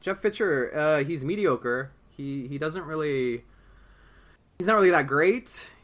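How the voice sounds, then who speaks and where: A man's voice: fairly high pitch, animated, a little slow, a bit bright. A young man co-hosting a casual podcast chat, rambling and joking, with lots of fillers and restarts. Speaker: podcast co-host.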